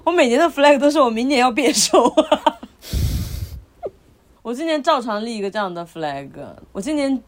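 A woman's voice: on the high side, animated, normal speed, a little hiss or hum. A woman co-hosting a podcast, chatting casually with a wry, teasing sense of humor. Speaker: podcast co-host. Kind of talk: casual chat.

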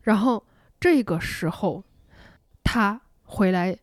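A woman podcast host telling a personal story in casual chat, animated and laughing often. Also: mid-range voice, slow, no room sound, clean studio sound. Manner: animated, laughs often, acts out quoted lines.

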